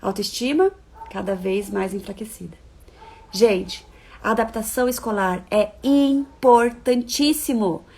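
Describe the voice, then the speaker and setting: A woman giving parenting advice in a live-stream talk. She is expressive, shifting from soft, reassuring coaxing to emphatic points. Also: mid-range voice, unhurried, gravelly. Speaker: parenting educator.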